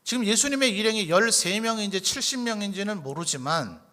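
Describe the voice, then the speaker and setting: Bright-voiced preaching man, fairly high. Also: brisk. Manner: expressive preaching with rhetorical questions, acting out quoted speech. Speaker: pastor. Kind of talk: sermon. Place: church sanctuary.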